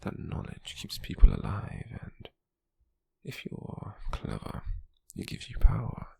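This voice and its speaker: A British man playing a possessive, calculating nobleman in an intimate ASMR roleplay, speaking in a soft, menacing, condescending murmur close to the mic. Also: wildly swooping pitch, measured pace, heavily acted. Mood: coolly instructive. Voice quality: breathy, husky, gravelly low murmur. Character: possessive, calculating noble man who buys captives at auction. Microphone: close mic, dry.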